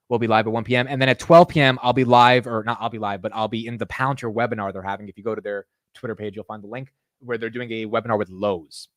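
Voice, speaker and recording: A young man hosts a casual livestream, joking with his viewers and arguing playfully. His delivery is animated and self-mocking, with a mid-pitched voice. The sound is dry and close-miked. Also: no room sound. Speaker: livestream host.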